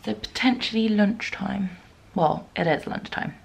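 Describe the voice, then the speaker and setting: A woman's voice: medium pitch, a little slow, creaky. A young woman, chatting casually to camera while doing chores around her bedroom and thinking aloud. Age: young adult. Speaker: vlogger. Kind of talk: casual vlog chat. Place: bedroom at home, indoors. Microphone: camera held at arm's length and set on furniture.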